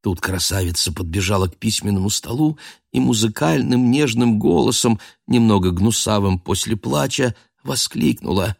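Husky male literary narrator. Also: fairly low pitch, lively intonation, a little mellow, dry recording, clean studio sound. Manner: measured storytelling. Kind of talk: literary audio drama narration.

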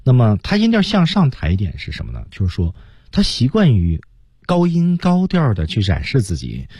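A man teaching an English lesson on the radio, explaining and demonstrating intonation in a lively way. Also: mid-range voice, moderate pace, breathy edge, dry recording, studio quality. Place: radio studio.

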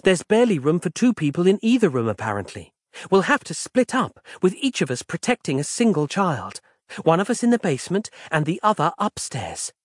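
A man narrating an audiobook voices a soft-spoken, persuasive woman. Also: high voice, very animated, brisk, dry recording, clean studio sound, pitched above the performer's own voice. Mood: persuading. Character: earnest, pleading woman companion.

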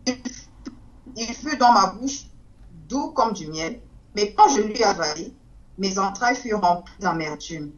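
A woman reading scripture aloud in a church teaching, steady and careful. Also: medium pitch, unhurried, pauses often. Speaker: Bible reader. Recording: dull lo-fi sound.

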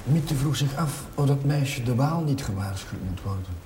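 An actor playing a troubled, earnest Catholic curate in a television drama, speaking in a subdued, hesitant way. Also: male voice, mid-range voice, expressive, moderate pace, close to an everyday voice. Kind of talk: naturalistic television drama acting. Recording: echoey, distant, faintly noisy 1970s television soundtrack.

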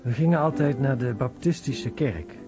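A man's voice: mid-range voice, normal speed, muffled recording. A man reading a scripted voice-over translation of someone's recollections for radio.

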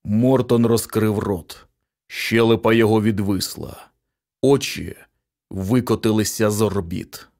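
A man narrating a short story in an even, steady reading voice. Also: fairly low pitch, a little slow. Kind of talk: audiobook reading.

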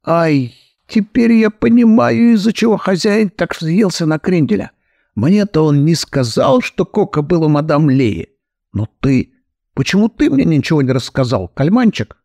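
A man's voice: on the high side, big pitch swings, normal speed, darkish tone, no echo, clean studio sound, voice pushed up. A man doing a fussy, pleading old clerk. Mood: coaxing. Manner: pleading, soothing. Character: fussy anxious older male clerk.

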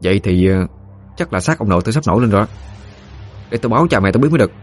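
A man's voice: lowish voice, lively intonation, very fast, soft background music. A man voicing a blunt, easily irritated village boy in an audio ghost story. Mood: urgent. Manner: grumpy, shouting.

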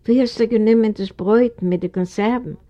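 A woman doing a shrill, frantic older sister. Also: moderate pace, warm tone, lightly acted. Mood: scolding, shrill. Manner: scolding, hysterical.

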